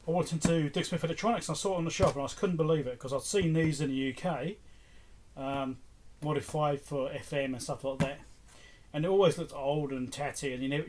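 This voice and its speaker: A man's voice: a little high, a little mellow. A middle-aged man hosting a casual, unscripted show-and-tell in a chatty, rambling way. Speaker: electronics repair video host. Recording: clear background noise with clicks.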